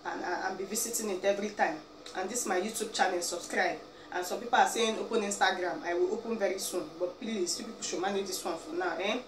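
A young vlogger from Abia State, Nigeria, talks fast in a mid-range voice with an Igbo accent. Sitting in a chair at home in a small room, she pleads with and scolds the camera a few feet away, throwing in frequent "eh?" and "biko" asides. The sound is noisy, distant, and roomy.

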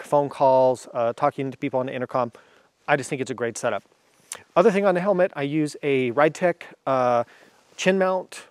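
A man's voice: medium pitch, dry recording. A man in his thirties giving a casual, enthusiastic motorcycle gear review to camera outdoors, with lots of fillers. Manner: enthusiastic, chatty, many fillers.

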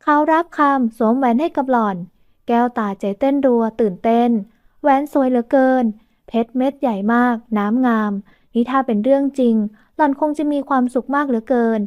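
ผู้หญิงเสียงสูงอ่านนิยายรักแบบนิยายเสียง เล่าเรื่องอย่างสม่ำเสมอ บันทึกเสียงแห้ง ไม่มีเสียงก้องห้อง. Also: female voice, high-pitched, normal speed, no echo, highs cut off. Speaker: audiobook narrator. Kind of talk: scripted romance novel narration.

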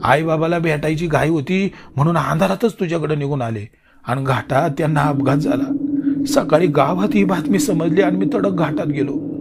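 A man's voice: on the high side, normal speed, gravelly. A man voicing a panicked, grieving younger brother who pleads through tears. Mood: tearful. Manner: frantic, tearful pleading. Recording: loud steady hiss with crickets.

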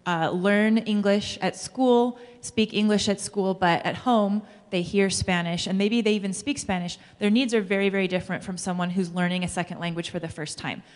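A woman high school Spanish teacher giving an earnest conference talk into a handheld mic on stage. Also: fairly even intonation, moderate pace, few pauses. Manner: earnest, explanatory, uses fillers. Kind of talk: conference presentation. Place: large school hall, on stage. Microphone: handheld microphone. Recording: long reverb of a large hall.

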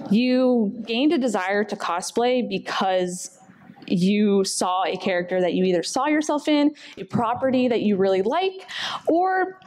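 A woman's voice: medium pitch, expressive, unhurried, darkish tone. A young adult woman presenting informally at a convention panel, speaking in a conversational, encouraging way into a table microphone. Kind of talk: informal slide presentation to a room. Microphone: table microphone on a stand.

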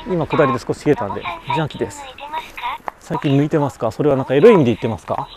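A man's voice: on the high side, huge pitch swings, very fast, heavy background noise. Chatty man live-streaming outdoors. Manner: chatty, reacts to viewer comments. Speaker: cycling livestreamer. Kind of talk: casual live-stream chat. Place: roadside vending machine outdoors on a mountain road. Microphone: action camera and webcam.

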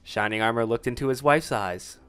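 A man's voice: mid-range voice, fairly quick, a bit bright, clear, resonant tone, soft background music. A man narrating a romantic fan fiction story in a scripted, dramatic reading style.

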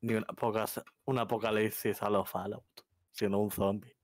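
A man's voice: lowish voice, little pitch movement, moderate pace. A man chatting casually with other gamers over a voice call. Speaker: gamer in a voice chat. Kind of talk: casual chat.

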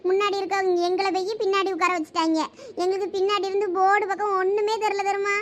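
A woman's voice: very high voice, little pitch movement, fast talker, a little hiss or hum. Woman playing a plaintive young college girl. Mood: aggrieved. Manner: plaintive, complaining. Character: timid young female student, upset and complaining.

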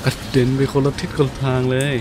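A man giving casual gameplay commentary, playful and crude, with slangy talk and frequent exclamations. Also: fast. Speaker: gaming host. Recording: game music behind the voice. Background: game music.

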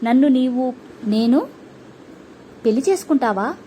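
A woman's voice: sits high, unhurried, mellow, a little hiss or hum. A woman voicing a spirited, affectionate teenage landowner's daughter in a storybook, speaking insistently. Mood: pleading.

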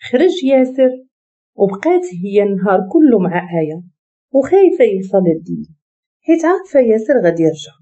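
A woman storyteller with a Moroccan accent narrates with lively, swinging intonation. Her voice is high yet mellow in tone. The audio is dull and lo-fi. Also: fast talker.

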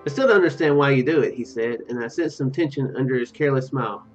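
A young man streams a text-based game from home, reading the story aloud and adding hesitant, rambling commentary. His medium-pitched voice comes through a slightly dull microphone, with faint music underneath. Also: fast. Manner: rambling, hesitant, with trailing asides. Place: indoor room at home.

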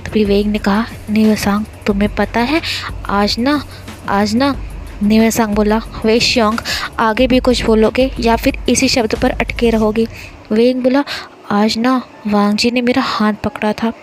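A woman's voice: a little high, steady tone, moderate pace, a little hiss or hum, poor audio. A woman narrating a romance fanfiction, giving each character a slightly lifted voice for their lines. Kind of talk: storytelling narration.

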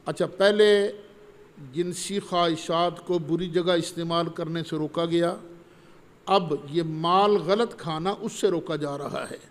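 Man, Quran commentary, unhurried, slightly high voice, long hall reverb. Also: steady tone. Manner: recites Arabic verses slowly, then explains them. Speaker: Quran teacher.

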